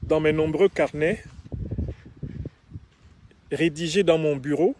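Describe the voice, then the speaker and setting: Cameroonian guy, bassa is his mother tongue, talks slow and deliberate, kinda high voice. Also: a little mellow, a little hiss or hum. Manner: measured and deliberate, with repeated phrases; chanting recitation with a sung refrain in the poem. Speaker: philosopher speaking to his channel audience. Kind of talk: spoken address, then reciting a poem.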